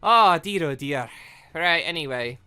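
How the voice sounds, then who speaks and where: A British gaming host chats casually through a let's play, rambling and thinking out loud. The voice is bright and very animated in pitch, sitting at a medium height. Soft game music plays behind it. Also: measured pace, smooth. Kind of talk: casual let's play commentary, reading game dialogue aloud.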